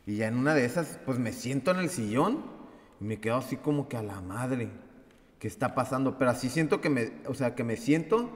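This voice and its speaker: Man, Mexican Spanish accent, podcast host, rambling casual storytelling, mid pitch, long echoing reverb. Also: brisk. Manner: rambling, filler-heavy, animated retelling.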